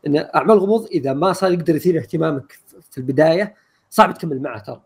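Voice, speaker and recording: A man co-hosting a casual podcast chat, rambling quickly through his opinions with many fillers. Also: a little high, expressive, a little mellow, husky. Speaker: podcast co-host.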